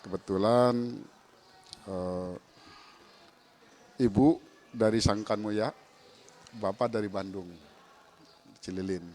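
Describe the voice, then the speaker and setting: A middle-aged man, a village head answering as a talk show guest in a halting way, repeating his words. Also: on the low side, steady tone, a little mellow. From Kuningan, West Java.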